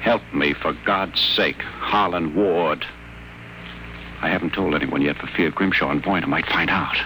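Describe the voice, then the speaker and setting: An actor playing a wry, wary sanitarium patient with a dry, articulate delivery in a 1950s radio drama. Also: male voice, a bass voice, a little slow, bright, forceful tone, heavily acted, poor audio. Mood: grave, confiding. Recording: old 1950 radio broadcast, faint noise.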